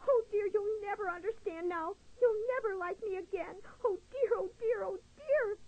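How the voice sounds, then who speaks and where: A woman's voice: very high voice, lively intonation, a little slow, pitched above the performer's own voice. A woman voicing a fretful little turtle boy. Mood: sobbing. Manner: anxious, stammering, tearful. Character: timid worried young male turtle. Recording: dull lo-fi recording.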